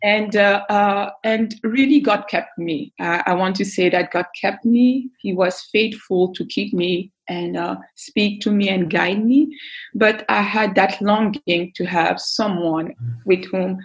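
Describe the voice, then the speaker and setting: A woman's voice: medium pitch, steady tone, rough recording. Earnest Belgian-born woman telling her story. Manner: earnest, thoughtful, with frequent pauses and fillers. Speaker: interview guest. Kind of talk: casual personal storytelling.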